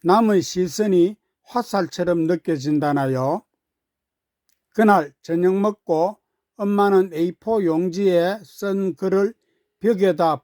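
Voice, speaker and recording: A woman's voice: lowish voice, dark tone, dry recording, clean studio sound. A woman storyteller reading scripted narration for a children's story.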